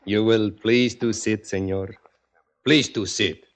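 An actor with a Mexican Spanish accent playing a calm, grinning hired knife killer in an old radio drama. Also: male voice, fairly low pitch, slow. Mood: calm menace. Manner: calm, matter-of-fact, chuckling menace. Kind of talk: 1940s radio drama acting. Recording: dull lo-fi old radio recording.

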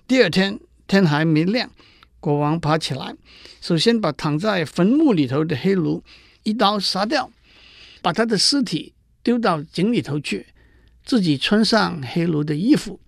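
A man narrating a classic fable and explaining a poem in a measured, explanatory way. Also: on the high side, gravelly, no room sound, studio quality. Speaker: storyteller. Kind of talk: storytelling narration for listeners.

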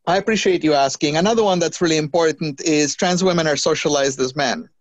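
A trans woman talking as a podcast guest, animated, with quick restarts and acted-out quotes. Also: low voice, no echo. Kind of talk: conversational interview.

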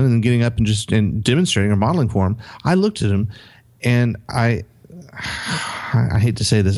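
A man's voice: medium pitch, a little mellow. A middle-aged man on a podcast, casually telling a story with many restarts and acted-out quotes. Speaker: podcast co-host.

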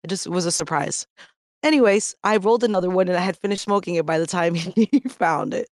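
A woman telling loud, laughing stories as a panelist in a casual live chat. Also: fairly low pitch, brisk, no echo, clean studio sound.

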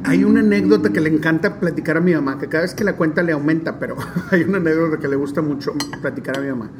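Chatty northern Mexican man, higher voice. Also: fast talker, background noise. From Monterrey, Mexico. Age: 40s. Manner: chatty, animated, many fillers. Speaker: stadium DJ and announcer. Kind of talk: relaxed storytelling interview.

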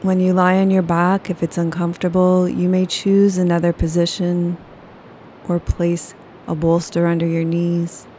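Female meditation guide, low flat calm delivery, warm dark tone. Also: slight background noise. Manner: slow, soothing, unhurried. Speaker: yoga nidra guide.

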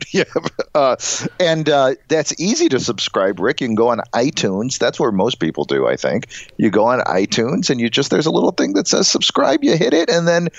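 A man's voice: mid-range voice, sing-song, moderate pace, gravelly, no echo. A man with a nasal Chicago accent, co-hosting a podcast in playful, laughing banter. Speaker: podcast co-host. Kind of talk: casual chat. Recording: slightly dull, lo-fi sound.

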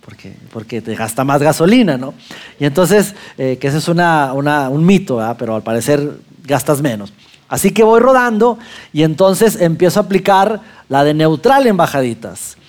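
A man with a Mexican accent telling a lively personal anecdote to an audience, acting out his own lines as he goes. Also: on the high side, moderate pace.

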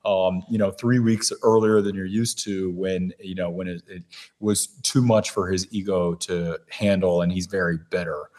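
Blunt, animated man chatting as a guest. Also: low-pitched, normal speed. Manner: blunt and animated, mimics other people's voices. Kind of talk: casual podcast chat.

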